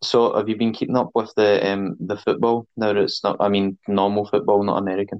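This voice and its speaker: A man with a Scottish accent, fairly low pitch, flat monotone intonation, a fairly quick pace and hardly any pauses. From Scotland. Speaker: podcast guest, friend of host. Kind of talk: casual chat.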